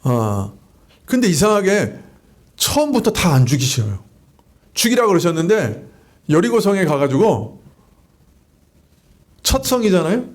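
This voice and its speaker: A man's voice: sits high, wildly swooping pitch, measured pace, pauses often. A male pastor giving a conversational sermon, retelling stories with acted-out quotes and asking the congregation questions. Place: church.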